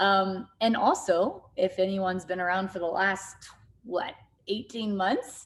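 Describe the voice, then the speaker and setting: A woman at medium pitch with fairly even intonation. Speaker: network marketing leader. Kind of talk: online training presentation. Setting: video call. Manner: fast.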